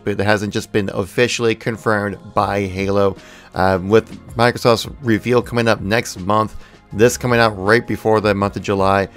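Male gaming channel host, fairly low pitch, informal and keen, light music underneath. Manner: enthusiastic, informal. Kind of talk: gaming news commentary.

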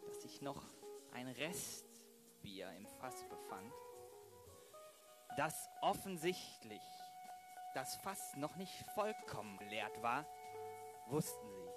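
A man's voice: medium pitch, sing-song, slow, pauses often. A man narrating a crime audio drama in a dramatic style. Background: music.

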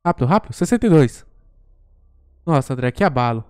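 A man's voice: mid-range voice, expressive, brisk, darkish tone, clean tone, dry recording, clean studio sound. A man playing a horror game with a friend, urgently repeating orders and guiding his partner. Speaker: gamer host. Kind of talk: frantic horror game co-op chat.

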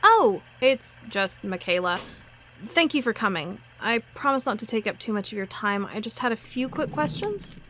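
A woman's voice: fairly high pitch, animated, moderate pace, fairly bright tone, slight background noise. A woman playing an inquisitive FBI cold case agent in an audio drama. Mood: businesslike. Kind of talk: audio drama acting, reading case files aloud.

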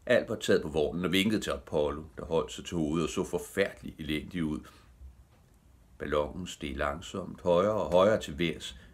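An older man reading a children's bedtime story aloud with gentle, lively storytelling. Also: deep voice. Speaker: audiobook reader.

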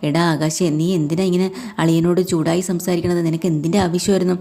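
A woman voicing a level-headed uncle who calms his angry nephew in a retold family story. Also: on the high side, quick pace. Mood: calming. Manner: soothing, urging calm.

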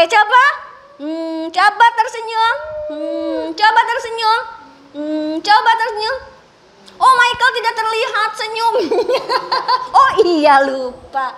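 A woman teacher talks to small children, stretching each word with slow, exaggerated care and praising them often. Her voice sits very high and rises and falls a lot. It sounds bright and clear. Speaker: special-needs schoolteacher. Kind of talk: radio lesson for children.

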